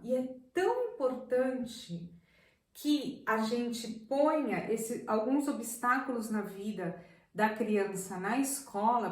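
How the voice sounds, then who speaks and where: A woman teacher telling a classroom story to viewers, animated and talking to them directly. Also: sits high. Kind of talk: educational video talk. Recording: echoey room, voice from a distance.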